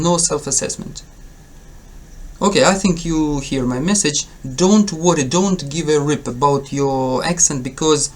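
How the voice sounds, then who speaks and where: A man from Ukraine with a Ukrainian accent, an English test tutor talking casually to his viewers, hesitant with many fillers and self-corrections but encouraging. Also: a little high. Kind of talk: casual spoken tutorial to camera.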